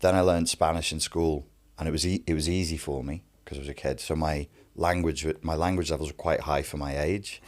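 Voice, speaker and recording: Man from the Wirral, Scouse accent, extremely low voice, fluent storyteller. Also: fairly even intonation, a little fast. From Wirral, England. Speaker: interview guest, life coach. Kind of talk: telling his life story in an interview.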